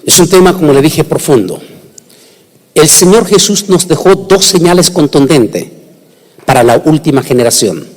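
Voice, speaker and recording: A man preaching a sermon, emphatic, with sudden rises in pitch and frequent restarts. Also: animated, moderate pace, a little mellow. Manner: emphatic, rising and falling delivery with restarts. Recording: long hall reverb.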